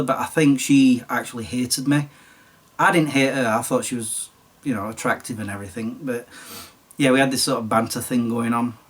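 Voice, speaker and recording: A YouTuber from Sheffield, England, in his late forties, tells stories about his past in a casual, self-deprecating monologue. His medium-pitched voice carries a Sheffield accent and a slight croak, and the mic sounds distant.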